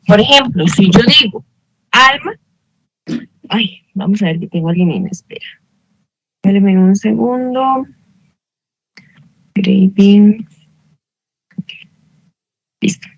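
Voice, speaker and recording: A woman's voice: mid-range voice, takes it slowly, long pauses, slightly rough, dry recording, poor audio. A woman teaching an English lesson online, explaining patiently, checking in with her students and correcting herself as she goes. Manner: corrects herself mid-sentence.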